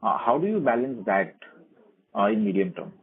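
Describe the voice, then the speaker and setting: Husky Indian man on a tinny phone line. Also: fairly low pitch, very animated, normal speed. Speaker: financial analyst. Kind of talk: questioning on earnings call.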